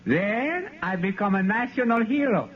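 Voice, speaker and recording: An actor playing a gloating bandit chief, in a 1950s radio drama. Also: male voice, high voice, expressive, moderate pace. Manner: gloating, cackling villain. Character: gloating Mexican bandit chief, cruel, middle-aged man. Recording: muffled old radio broadcast with hiss.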